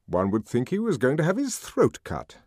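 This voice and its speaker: A man's voice: mid-range voice, huge pitch swings, darkish tone, husky, no echo, studio quality, pitched above the performer's own voice. Man doing a sardonic, lofty world controller. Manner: measured, sardonic, lecturing. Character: urbane powerful older male world controller, sardonic.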